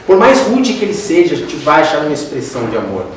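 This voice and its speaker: The audience keeps hearing "gente" as a man with a Brazilian Portuguese accent gives a conversational spiritist religious lecture in a lecture hall. He talks fast in a slightly high voice with wildly swooping pitch. The sound is distant-miked and echoey, with slight background noise.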